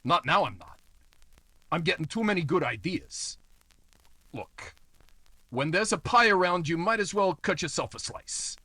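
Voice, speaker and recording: A man's voice: a little high, animated, unhurried, pauses often, bright, forceful tone, slightly rough, dry recording, full character voice. An actor playing a nosy, slimy apartment house manager who wheedles in tough-guy slang, in old-time radio noir style. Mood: scheming.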